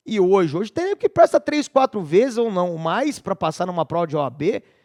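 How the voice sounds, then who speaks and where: Here a man speaks at a high pitch, animated in tone with lively intonation. His pace is moderate, and the sound is dry and close with no echo. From interior of São Paulo state, Brazil. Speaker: law professor and lawyer. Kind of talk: interview monologue. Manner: animated, colloquial.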